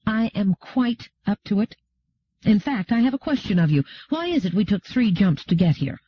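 Proud, clipped noblewoman, read by a male narrator; lively, husky. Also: high voice, moderate pace, dry recording, voice pushed up. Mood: sharp. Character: stern grieving woman aristocrat, proud. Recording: dull lo-fi recording.

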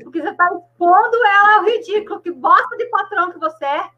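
A woman chatting and teasing with quick comebacks on a live podcast. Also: extremely high pitch, lo-fi sound. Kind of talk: casual live podcast chat.

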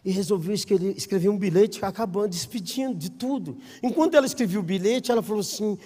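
A Brazilian man preaching a sermon as pastor, telling stories with acted-out quotes, swinging between loud calls and hushed asides. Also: sits high, fast, in a large hall. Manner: animated storyteller, acts out quotes, swings from shouting to hushed. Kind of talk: sermon with storytelling. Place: church.

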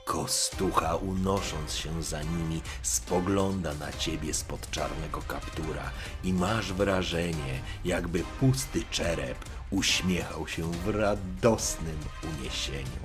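A man narrating a dark story in the second person, in a brooding, measured way. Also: low-pitched, music in the background. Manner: slow, brooding, measured delivery.

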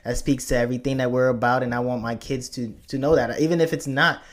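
A man from Nigeria hosting a casual interview, enthusiastic and warm, who often rephrases his questions aloud. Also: medium pitch, steady tone, fast.

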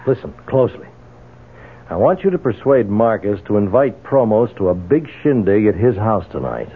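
An actor playing a determined, vengeful man in a radio drama, insistent and persuasive, with a husky voice. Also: fairly low pitch, sing-song, normal speed, heavily acted. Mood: urgent. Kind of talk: 1970s radio drama acting. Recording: narrow, phone-like old radio sound.

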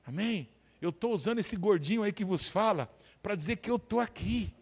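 A gentle, comforting Jesus speaks tenderly and reassuringly, as a Brazilian-accented male preacher puts him on. The voice is high for a man, close to the preacher's own. It is part of a spoken sermon. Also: animated, moderate pace, slightly rough, heavily acted. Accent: Brazilian Portuguese.

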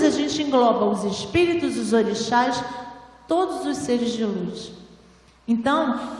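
A woman giving a spiritual lecture to a seated audience on a handheld microphone, teaching in a didactic way with rhetorical questions. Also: high voice. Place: large hall with audience. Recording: echoey hall, voice from far off.

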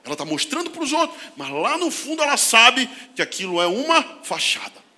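A man from Brazil, a pastor preaching a sermon, swinging from shouted emphasis to hushed asides and laughing often. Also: very high voice, very animated, brisk.

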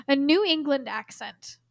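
A woman's voice: sits high, expressive, slow pace, vocal fry, no room sound, clean studio sound. A woman co-hosting a podcast in a casual chat, playful and teasing, often giggling. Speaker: podcast co-host.

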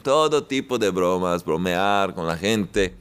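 A man's voice: low voice, animated, slow, clear, resonant tone. A man giving a sermon-like spiritual talk, repeating phrases and chuckling often between points. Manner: warm-hearted, repetitive, chuckling often. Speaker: spiritual teacher.

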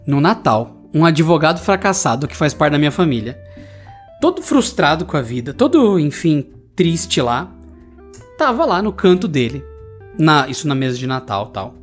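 A Brazilian man hosts his own podcast and vents in a profane, indignant monologue. His voice rises and falls dramatically as he makes his case. Soft music plays faintly in the background. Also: a little high, very animated, normal speed. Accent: Brazilian Portuguese. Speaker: podcast host. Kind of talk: solo podcast monologue, ranting anecdote.

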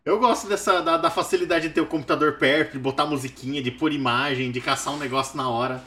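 A man with a São Paulo accent chatting casually as a game master, lively and quick to laugh. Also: a little high, over a noisy crowd. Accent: São Paulo Portuguese. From São Paulo state, Brazil. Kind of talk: casual chat.

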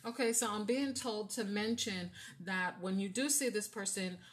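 A woman with a mid-range voice that carries, giving a relaxed tarot reading. She talks in a loose, chatty way and keeps checking in with the listener. The voice sounds like it demands attention. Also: mid-range voice, normal speed, heavy background noise. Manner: chatty, filler-heavy, often asks "right?". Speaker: tarot reader. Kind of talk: casual spiritual reading.

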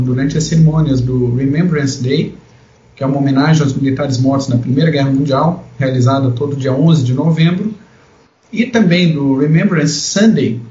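A man's voice: on the high side, dark tone. Male co-host, Brazilian, explanatory podcast delivery, strong room echo, slightly dull audio.

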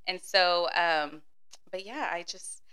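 A woman's voice: on the low side, takes it slowly, pushed and bright, clear, resonant tone. A woman in her thirties, a guest on a casual chat, agreeable, often saying yes and laughing. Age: 30s. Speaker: guest, boutique owner.

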